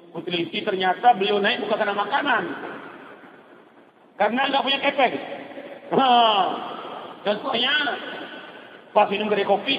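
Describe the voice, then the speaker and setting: High-voiced folksy man preaching with an Acehnese accent, echoey muffled hall recording. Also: noisy background. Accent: Acehnese Indonesian. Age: older. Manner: folksy, joking asides. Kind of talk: humorous sermon.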